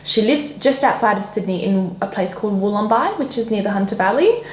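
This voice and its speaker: A woman's voice: mid-range voice, lively intonation, a little fast. A young woman, French her first language, chatting casually as a podcast guest with many fillers and restarts. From France. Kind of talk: casual interview chat. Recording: echoey room.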